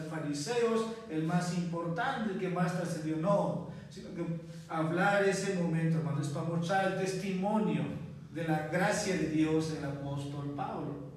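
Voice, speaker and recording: Male pastor, slightly high voice, earnest sermon delivery, very reverberant church, heard from a distance. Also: a little mellow. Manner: earnest, repeatedly addresses listeners as brothers, with thinking fillers. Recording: very echoey church hall, voice from far off.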